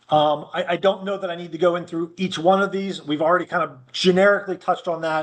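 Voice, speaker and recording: A man is speaking here at a fairly quick pace. His pitch is high. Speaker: township planning reviewer. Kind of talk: public meeting discussion. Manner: fast; animated.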